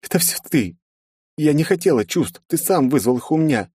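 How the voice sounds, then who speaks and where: A man's voice: fairly high pitch, expressive, mellow, husky, no room sound, studio quality, pitched above the performer's own voice. A man reading an audiobook voices a jealous, capricious young princess who pleads and flares up. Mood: tearful pleading. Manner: pleading, clingy, quick to anger.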